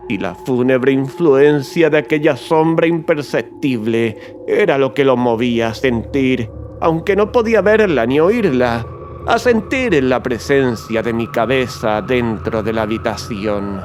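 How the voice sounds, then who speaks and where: An actor playing a mad, gloating murderer who confesses in a theatrical horror audiobook, swinging between hushed and agitated delivery. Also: male voice, medium pitch, a little slow, a little hiss or hum, natural voice. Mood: gloating, brooding. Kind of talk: dramatic horror audiobook narration.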